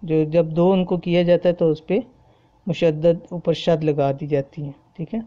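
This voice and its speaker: This explanatory tajweed lesson features a low-pitched, dark-toned woman's voice with little pitch movement, recorded with the highs cut off. She patiently teaches Quran recitation rules, repeating each point and asking "okay?" to check her students keep up. Her Arabic examples are slow and drawn out.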